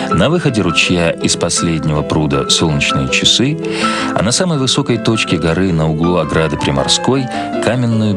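Deep male voice, literary narrator, measured expressive storytelling, prominent music behind. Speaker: narrator reading literary prose. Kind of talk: scripted literary narration, audiobook or radio reading.

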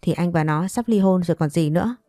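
Woman playing a scheming stepmother who argues back, low mellow voice. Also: fast, no echo, clean studio sound, close to an everyday voice. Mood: quarrelsome. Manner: argumentative, defiant.

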